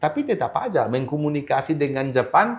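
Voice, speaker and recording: A man at a fairly quick pace, with lively intonation. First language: not Indonesian (speaking Indonesian). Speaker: motorcycle racing pundit. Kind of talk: casual discussion. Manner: halting, many fillers.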